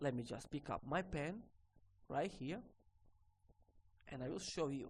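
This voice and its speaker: Somewhat breathy and fairly high, a man's voice with a Portuguese accent moves at a fairly slow pace. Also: lively intonation. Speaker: online course instructor. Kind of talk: tutorial. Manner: halting non-native English with frequent okay.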